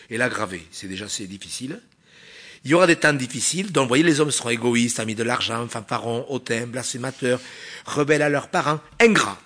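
Preaching in a church with a medium-pitched, slightly rough voice, a man delivers an emphatic sermon. He swings between loud stresses and quiet asides and poses rhetorical questions to the congregation.

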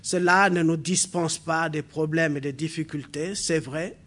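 A man from New Caledonia, whose first language is a local New Caledonian one, preaches a sermon in a church hall. He starts out halting and full of fillers, then builds to emphatic preaching. His voice sits on the high side, with a steady tone that's a little bright.

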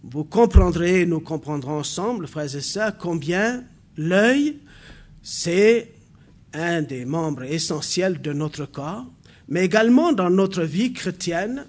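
A man from New Caledonia whose first language is a local New Caledonian language, preaching a sermon in a church hall, halting with fillers, then building to emphatic preaching. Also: sits high, lively intonation, a little mellow.

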